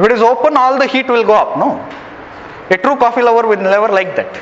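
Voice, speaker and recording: Over noticeable background noise, a speaker with an Indian accent talks at a moderate pace with fairly even intonation. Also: man. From India, coastal Karnataka (Tulu-speaking). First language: Tulu. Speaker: university lecturer. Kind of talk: lecture. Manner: conversational, interactive.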